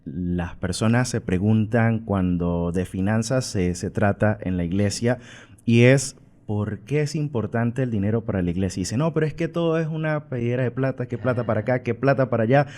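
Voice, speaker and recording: A man's voice: lowish voice, moderate pace, darkish tone. A man with a Venezuelan accent hosting a church podcast, welcoming his guest and asking long, winding questions. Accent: Venezuelan Spanish. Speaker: podcast host.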